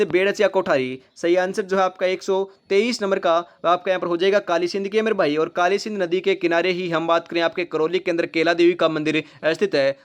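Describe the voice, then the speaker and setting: A man teaches an online quiz class with a high, quick delivery. He reads out each question, runs through the options and then hammers home the answer and the option number. He calls his viewers brother and friends as he talks. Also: smooth. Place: rooftop, outdoors in early morning. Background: animal and bird sounds.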